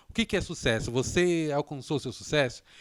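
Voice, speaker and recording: In a very clean recording with a silent background, a man speaks with a São Paulo accent. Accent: Paulistano Brazilian Portuguese. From Brazil, São Paulo periphery. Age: 30s. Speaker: podcast co-host and author. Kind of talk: casual conversation interview. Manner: hesitant, many fillers.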